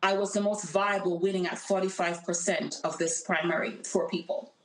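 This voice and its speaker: Her voice is on the low side and steady in tone, moving at a moderate pace as this Jamaican-accented woman, running for Congress, speaks earnestly and emphatically. She is a guest on a remote call, captured in roomy, low-quality call audio.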